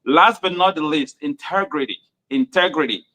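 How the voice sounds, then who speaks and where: A man with a Cameroonian accent, who speaks English as a second language, talks as a guest in an earnest, step-by-step way. His voice sits a little high and sounds bright and forward. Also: moderate pace. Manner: earnest, explaining point by point. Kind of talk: casual chat.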